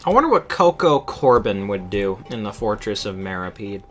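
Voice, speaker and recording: Very low-voiced woman livestreaming a game. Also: big pitch swings, moderate pace, faint music behind. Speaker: game streamer. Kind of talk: casual livestream chat and game commentary.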